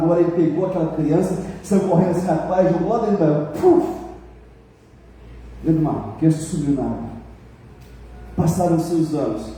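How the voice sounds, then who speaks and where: Brazilian preacher in echoey church. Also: male voice, a little high, mellow, a little hiss or hum. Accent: Brazilian Portuguese. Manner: emotional storytelling, addresses congregation. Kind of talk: sermon. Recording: echoey church hall, voice from far off.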